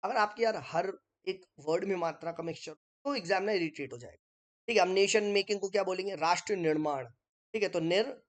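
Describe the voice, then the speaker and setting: In an online exam-prep lesson, a male teacher with a high-sitting voice talks a little fast and chattily. He works through each point step by step while writing on screen, often checking in with his listeners.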